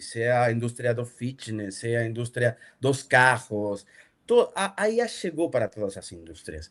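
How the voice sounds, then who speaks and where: Lively intonation from a man with a Spanish accent, medium in pitch. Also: quiet background. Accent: Spanish accent in Portuguese, noticeable. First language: Spanish (speaking Portuguese). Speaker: education publishing executive. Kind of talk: interview. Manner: halting, frequent repetitions and fillers.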